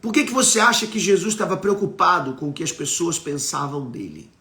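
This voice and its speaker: Emphatic Brazilian preacher in a roomy space. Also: male voice, on the high side, expressive, a little fast, sharp tone. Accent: Brazilian Portuguese. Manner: emphatic, asks the audience questions, reads out viewer comments. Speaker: preacher on a live stream. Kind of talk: live-streamed Bible teaching.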